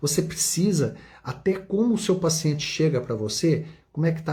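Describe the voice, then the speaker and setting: Soft-spoken and somewhat breathy, a man with a fairly high pitch and a dark, mellow tone talks in a calm tone at a moderate pace, with audible room echo. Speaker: dentist and hypnotherapist. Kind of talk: lecture.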